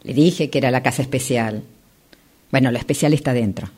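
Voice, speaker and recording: A woman in an amateur radio play acting a smooth-talking, insistent female real estate agent, with theatrical dramatic pauses. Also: rumbling low, dark tone. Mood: reassuring.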